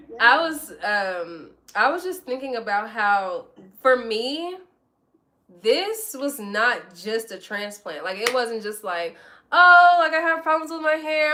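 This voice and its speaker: In a raised, projected voice, a woman with a high pitch talks at a fairly slow pace in an animated tone with very wide pitch swings. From US South. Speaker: YouTuber. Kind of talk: casual chat. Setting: livestream.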